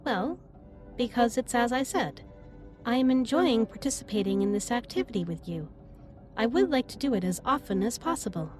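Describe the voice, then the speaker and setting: A woman playing a gentle, earnest female alien starship captain in an audio roleplay, speaking in formal, precise sentences straight to the listener. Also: fairly high pitch, animated, moderate pace, faint music behind, natural voice. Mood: content, earnest. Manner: formal, precise, slightly stilted wording.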